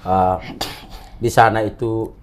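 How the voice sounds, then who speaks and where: A man's voice: lowish voice, steady tone, takes it slowly. A young man, a Catholic priest, telling stories in a casual comic chat and laughing often. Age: young adult. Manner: laughs often, warm storytelling. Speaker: Catholic priest, podcast guest.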